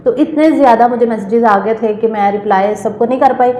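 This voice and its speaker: A woman vlogger with a slightly hoarse throat, chatting casually to viewers in a small store room and repeating her points. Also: a little high, a little fast, warm tone, slight background noise. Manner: chatty, repeats phrases, addresses viewers directly. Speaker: vlogger giving channel tips. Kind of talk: casual vlog talk.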